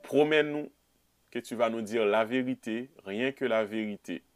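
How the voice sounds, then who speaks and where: Theatrical talk show host. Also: male voice, mid-range voice, unhurried, faint music behind. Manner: theatrical, addresses the audience directly. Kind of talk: studio talk show interview.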